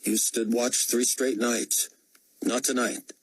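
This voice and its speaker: A man doing a soft, coaxing wife. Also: medium pitch, little pitch movement, slow, slight background noise, pitched above the performer's own voice, close to an everyday voice, low-quality recording. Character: caring wife, gentle and firm.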